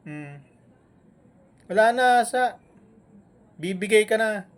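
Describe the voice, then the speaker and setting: A man's voice: high voice, lively intonation. Taunting man scolding a rival vlogger. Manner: taunting, scolding, with drawn-out hums between jabs. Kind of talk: live-stream rant at a rival.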